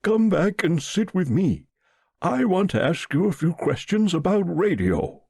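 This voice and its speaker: A standoffish old aristocrat from a storybook, put on by a male reader, speaks in a raised, high voice. He is genteel and dismissive, with swooping intonation. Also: very animated, a little slow, vocal fry, a little mellow, breathy edge, no room sound, clean studio sound, full character voice. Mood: genteel, inviting. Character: standoffish rich old aristocrat, thin and sheep-faced. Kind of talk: storybook character voice.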